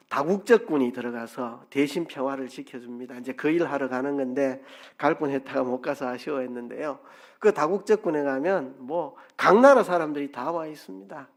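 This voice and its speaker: In a church sanctuary, a middle-aged pastor with a medium-pitched voice delivers an expressive sermon, dropping in dialect asides.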